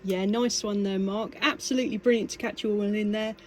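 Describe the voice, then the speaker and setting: A woman's voice: medium pitch, steady tone, fairly quick. A British woman chatting casually as a radio hobbyist, in a hesitant, rambling way. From United Kingdom. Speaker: amateur radio operator. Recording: clearly noisy amateur recording, radio hiss. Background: background noise.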